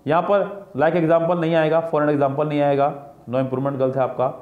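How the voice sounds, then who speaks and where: A man with a slightly high voice speaks flatly at a measured pace. He's an English teacher running an exam-prep grammar lesson, walking through each answer step by step and repeating his own questions and answers. The lo-fi recording sounds roomy and dull.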